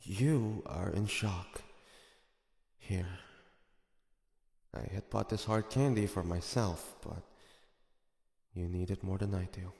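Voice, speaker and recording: Gruff, gentle hunter, male performer, audio drama; deep hushed voice, measured and protective, long reverb. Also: full character voice. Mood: soft, consoling. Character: gruff, gentle older hunter comforting an orphaned boy.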